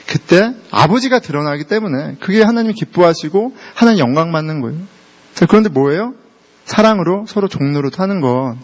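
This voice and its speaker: A middle-aged male pastor gives a chatty sermon in a church, and his fairly high voice carries a long reverb from the hall. He slips English words in and acts out small family exchanges as he goes. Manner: conversational preaching that mixes English words into Korean, acts out family dialogue. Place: church sanctuary.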